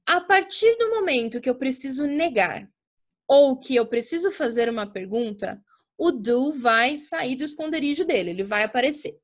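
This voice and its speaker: A woman, an English teacher who explains grammar in a chatty way, checks in often with her listeners and slows down to spell out example sentences. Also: sits high.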